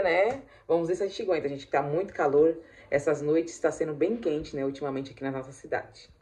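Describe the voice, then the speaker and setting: A mother with a deep, slightly rough, somewhat mellow voice films her family's day at home and out walking on a hot street and in a park. She chats to viewers, calling them "gente", and coos to her children in this casual vlog narration.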